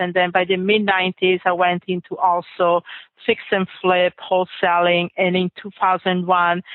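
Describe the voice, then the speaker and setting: A woman speaks at a medium pitch. She has a slight Italian accent. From Italy, Venice. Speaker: real estate coach and investor. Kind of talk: interview. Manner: hesitant fillers.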